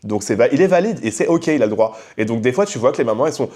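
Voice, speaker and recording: Young male host, loud casual rant, slangy, lively, mid pitch. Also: very fast. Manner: animated and slangy, acts out quoted people; talks loudly. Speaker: podcast host. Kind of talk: casual ranting monologue.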